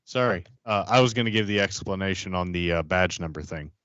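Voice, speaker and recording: A man's voice: low-pitched, a little fast, a bit bright, clear, resonant tone, dry recording. A man chatting and explaining things casually on a tabletop game podcast. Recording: slightly dull, dry close sound.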